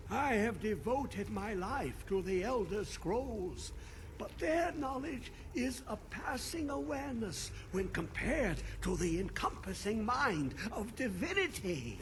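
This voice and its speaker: An actor playing a mad, obsessed old scholar in a fantasy game, rambling rapturously in cryptic, poetic phrases. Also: male voice, high voice, a little hiss or hum, heavily acted. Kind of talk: theatrical fantasy game acting.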